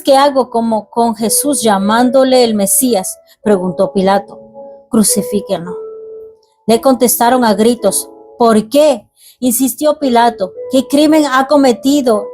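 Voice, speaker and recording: A woman reading a Bible passage aloud and then reflecting on it in earnest, halting commentary. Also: fairly high pitch, warm tone. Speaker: ministry teacher. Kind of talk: reading scripture and preaching. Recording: faint music behind.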